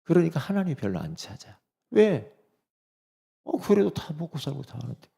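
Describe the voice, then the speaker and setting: A man's voice: a little high, sing-song, moderate pace, creaky, mellow, breathy edge. A male pastor giving a sermon in an emphatic, conversational way, often asking rhetorical questions.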